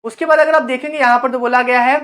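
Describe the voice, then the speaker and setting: A man's voice: very high voice, fairly even intonation, fairly bright tone. A man presenting an educational channel, giving an impassioned explainer on a document and addressing listeners as brother. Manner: slowly reads out English clauses.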